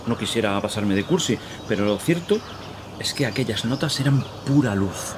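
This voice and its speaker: A man's voice: fairly low pitch, lively intonation, moderate pace, noisy background, close to an everyday voice. A man playing a courteous, chatty park worker. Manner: chatty, courteous, searching for words. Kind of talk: radio drama acting. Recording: outdoor park ambience with birds. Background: birds and outdoor ambience.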